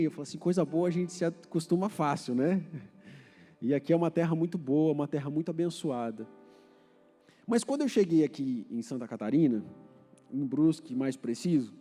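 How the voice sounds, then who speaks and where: A man from Paraná preaching a sermon with a Paraná accent, chatty and anecdotal, quizzing the congregation and building to forceful exhortation. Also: on the high side. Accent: Paraná Brazilian Portuguese, rolled R. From Paraná, Brazil. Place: church hall. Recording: reverberant church hall with faint music.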